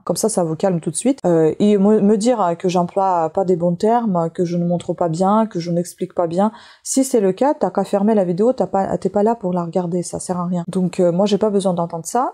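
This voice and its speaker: A woman whose first language is not French hosts her own crochet channel. She speaks with a mellow, low-set voice and sounds fed up and blunt, filling her speech with many "euh" pauses. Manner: frank, exasperated, many hesitations. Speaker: crochet YouTuber. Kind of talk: casual tutorial intro, venting rant.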